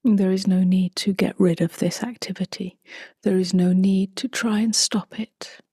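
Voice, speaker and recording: A woman leading a guided meditation in a soft, breathy half-whisper, with calm, gently spaced phrases. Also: medium pitch, unhurried, no echo, studio quality. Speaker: meditation teacher.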